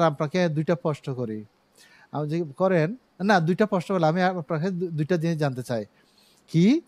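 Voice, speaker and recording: A middle-aged man with a Chittagong Bengali accent, teaching an online English pronunciation class from his own studio, explaining slowly and having students repeat words. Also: a little high, darkish tone, no room sound. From Bangladesh.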